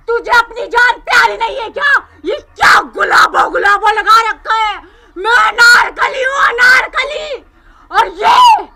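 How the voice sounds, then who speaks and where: An actress playing a possessed girl whose spirit taunts and threatens a holy man, shouting and cackling. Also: very high-pitched, gravelly, exaggerated voice. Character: possessed girl, spirit Anarkali, defiant and fierce.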